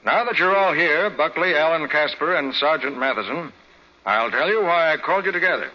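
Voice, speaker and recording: An actor playing a shrewd, commanding private detective, brisk and authoritative, in 1940s radio drama style. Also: male voice, a little high, animated, pushed and bright. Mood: commanding, expository. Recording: dull 1940s radio recording.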